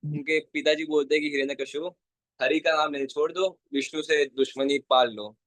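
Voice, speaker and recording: A man's voice: on the high side, fairly even intonation, normal speed, fairly bright tone, dry recording. A young man telling a devotional story in an earnest way, repeating phrases for emphasis and mixing in English words. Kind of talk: Hindi devotional story talk.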